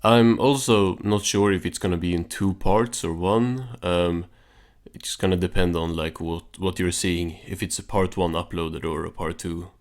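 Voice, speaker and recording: Deep-voiced man doing casual deadpan recaps. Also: a little slow. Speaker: cartoon recap host.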